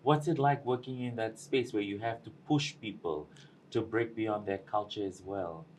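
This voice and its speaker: A low-pitched man hosts a relaxed studio interview. He talks in a chatty, expressive way, often tags his remarks with a questioning "eh?", and is heard over a faint background hiss. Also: moderate pace. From Fiji. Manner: chatty and expressive, with a habitual tag "eh?". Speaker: talk show host.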